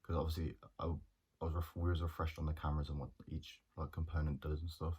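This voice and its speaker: A young man, a journalism student talking through his plans in a hesitant, monotone way with many pauses and restarts. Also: extremely low pitch, husky. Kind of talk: casual reflective monologue.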